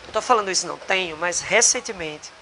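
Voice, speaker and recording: Bright high-voiced Potiguar man. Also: fast talker, slight background noise, rough recording. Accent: Potiguar Brazilian Portuguese. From Rio Grande do Norte, Brazil. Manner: earnest, rambling, many restarts. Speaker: singer and actor guest. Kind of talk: casual interview chat. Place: bar.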